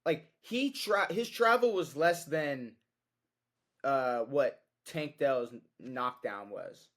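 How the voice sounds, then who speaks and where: A man's voice: mid-range voice, slow pace. Man co-hosting a casual sports podcast. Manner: hesitant, restarts and repeats, gets excited. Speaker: podcast co-host.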